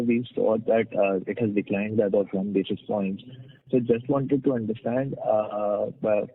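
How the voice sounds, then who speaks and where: Analyst guy on a dry phone line, asking stuff haltingly. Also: mid-range voice, slightly rough, dry recording. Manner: hesitant, halting questions. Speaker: analyst caller. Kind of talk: asking questions on earnings call. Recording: muffled dry telephone line.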